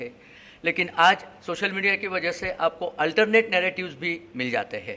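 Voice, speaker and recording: A man with a bright, sharp tone. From India, Indore (Madhya Pradesh). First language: Marathi (speaking Hindi). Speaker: guest speaker on geopolitics. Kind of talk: public lecture. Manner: hesitant, frequent filler 'uh'.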